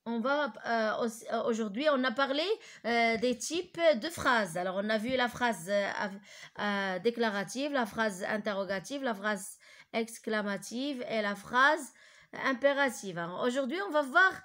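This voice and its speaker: A woman teacher giving a grammar lesson to pupils, hesitant with many fillers and restarts, slowly repeating key terms. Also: fairly high pitch, a bit bright.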